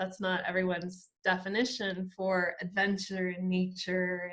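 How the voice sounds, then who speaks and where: This woman's voice sits at a medium pitch. She talks fairly slowly. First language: Spanish. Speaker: panel moderator. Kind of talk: panel discussion.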